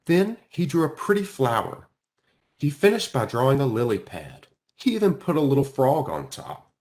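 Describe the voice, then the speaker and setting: A man narrates a children's storybook with a very animated delivery. His pitch moves freely and his phrasing is emphatic, shaped for young listeners. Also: moderate pace. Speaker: author reading their own children's book aloud.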